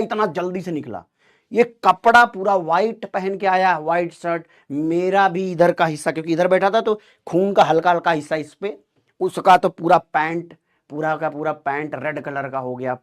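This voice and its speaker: A man telling students a story in an animated, dramatic way, acting out the dialogue. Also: high-pitched. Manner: lively, dramatic, acts out dialogue.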